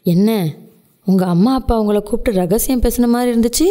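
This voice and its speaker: Young woman, actress playing a sharp-tongued, suspicious daughter-in-law, sarcastic and accusing, dark mellow tone. Radio drama. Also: fairly high pitch, brisk, natural voice.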